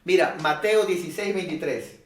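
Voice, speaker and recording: A male pastor preaching a sermon in an animated, rhetorical way, often asking his listeners "¿no es cierto?". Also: sits high, moderate pace, far from the mic. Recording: echoey room, voice off-mic.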